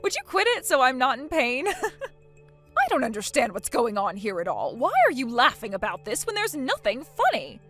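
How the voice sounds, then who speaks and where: A woman voicing a bossy middle-aged mother-in-law who scolds and makes demands loudly, with faint music behind. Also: high-pitched, wildly swooping pitch, moderate pace, full character voice. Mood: scolding. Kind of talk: dramatized story acting.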